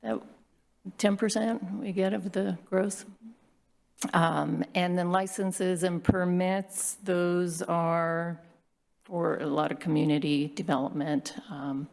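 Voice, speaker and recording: A woman with a hoarse, very low voice presents revenue and spending figures to a city council. She talks plainly and explains each item, with frequent fillers. She is recorded in a council chamber. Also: fairly even intonation, slow, a little mellow. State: hoarse from bronchitis. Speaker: city finance staff presenting budget. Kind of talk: budget presentation at council meeting.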